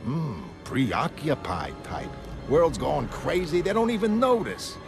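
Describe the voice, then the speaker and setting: A man playing a gruff, chatty older newsstand vendor with street talk. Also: fairly high pitch, big pitch swings, takes it slowly, heavily acted. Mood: grumbling. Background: music.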